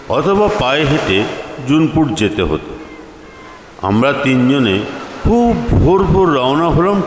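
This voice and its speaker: Expressive echoey male story narrator. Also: mid-range voice, a little hiss or hum. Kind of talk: dramatic scripted narration. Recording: echoey reverb, music underneath.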